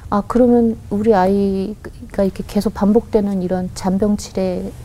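A woman guest on a radio interview, earnestly recounting a personal story with halting restarts and quoted voices. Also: medium pitch, level tone, mellow, rough recording. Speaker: guest, company head.

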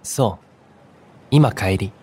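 A man playing a friendly, soft-spoken local in a voice drama, with gentle and easygoing casual speech. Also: lowish voice, very slow, husky, exaggerated voice. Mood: pleasantly surprised. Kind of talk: Japanese voice drama acting.

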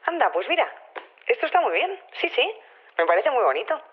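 A woman's voice: fairly high pitch, big pitch swings, fairly quick, husky. An actress playing an opinionated, chatty woman in charge of a community, talking emphatically and repeating herself over a telephone in an audio drama. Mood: pleased, chatty. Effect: telephone filter. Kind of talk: improvised-sounding phone interview in audio drama. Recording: thin phone-line sound.

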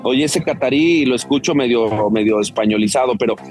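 A man talking casually as a podcast guest over an internet call, relaxed, slangy and full of restarts. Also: mid-range voice, brisk. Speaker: guest, former footballer. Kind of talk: casual chat. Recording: remote call line with faint music.

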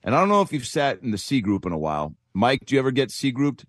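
A man's voice: medium pitch, very animated, fast talker, no room sound, studio quality. A man who is a comedian, chatting as a guest and telling rambling, self-deprecating stories full of fillers. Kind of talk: casual anecdotal chat.

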